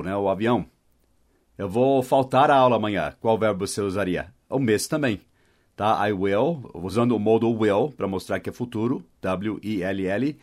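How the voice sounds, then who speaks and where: A man's voice: medium pitch, darkish tone. A man hosting a short podcast lesson, explaining English words in casual Portuguese, spelling them out letter by letter and often checking in with "tá?" and "né?". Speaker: English teacher and podcast host.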